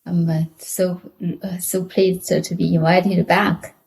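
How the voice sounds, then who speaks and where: A woman with a Chinese accent chatting as a podcast guest in a halting, hesitant way. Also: lowish voice, little pitch movement, gravelly, darkish tone, low-quality recording. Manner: halting, hesitant, many short restarts. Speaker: podcast guest, technical author. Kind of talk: casual interview chat.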